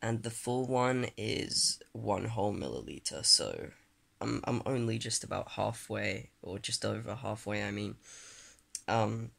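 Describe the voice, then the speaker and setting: A trans man in his late teens, groggy and just woken up, rambles candidly in a casual vlog with many fillers and restarts. His voice is on the low side and fairly bright with vocal fry. He films on a phone held at arm's length in a small bedroom, later moving to a desk in a bedroom.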